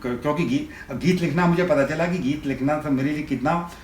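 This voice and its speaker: A man's voice: a little high, a little fast, distant mic, crowd noise. A man who is a poet and novelist, answering interview questions in a rambling, repetitive storytelling way, with many restarts. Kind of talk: conversational interview. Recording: roomy echo with faint ambience.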